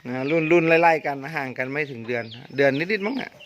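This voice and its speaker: A man filming his cattle on a farm outdoors, chatting excitedly in casual commentary and often laughing. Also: fairly high pitch, fast talker, a little hiss or hum. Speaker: farm vlogger. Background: birds and chickens, faint outdoor ambience.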